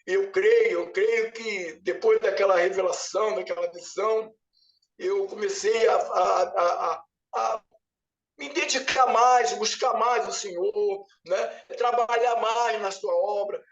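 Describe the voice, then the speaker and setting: The speaker is a pastor recounting a vision in an emotional church testimony, weeping and pleading throughout. His high voice keeps a steady tone as he takes it slowly. It was recorded from a distance in an echoey room, so it sounds muffled.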